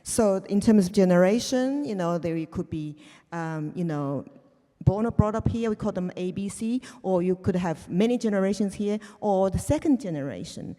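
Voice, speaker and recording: A woman from China speaking on a panel, halting and full of restarts and fillers. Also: medium pitch, animated, dark tone, big-room sound. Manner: hesitant, many restarts and fillers. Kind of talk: panel discussion.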